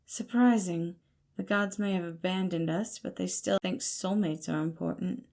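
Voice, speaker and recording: A woman's voice: lowish voice, fairly even intonation, moderate pace, vocal fry, darkish tone. A woman voicing a haughty, exasperated male leader in an audio story, cool, dry and imperious. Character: haughty, exasperated man in charge of a bunker.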